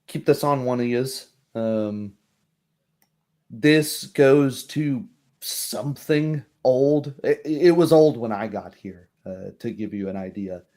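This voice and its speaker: A man's voice: medium pitch, takes it slowly, mellow, natural voice. A man voicing a casual, helpful, curious townswoman in a tabletop game, musing hesitantly and informally.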